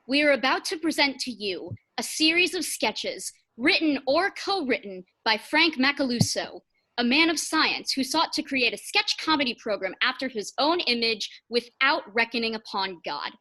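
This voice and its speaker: A woman's voice: high-pitched, pushed and bright, rough recording. A woman giving a mock-solemn, theatrical warning in the manner of an old film prologue. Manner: formal, theatrical.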